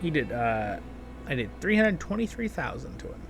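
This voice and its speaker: A man hosting a gaming video with casual, excitable commentary, talking half to himself and half to his viewers. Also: fairly high pitch, normal speed, music in the background. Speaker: gaming channel host. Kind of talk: casual gameplay commentary, with expressive story reading.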